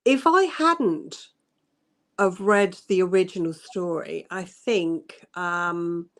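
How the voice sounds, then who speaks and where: A woman's voice: lowish voice, takes it slowly. A woman guest in a casual book chat over a video call, hesitant and thoughtful, with many ums.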